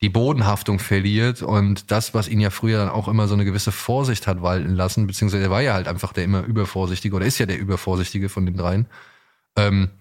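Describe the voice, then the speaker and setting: A man's voice: lowish voice, fairly even intonation, fast talker, darkish tone. A man hosting a podcast in a casual, colloquial chat, sometimes acting out imagined quotes. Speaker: podcast host.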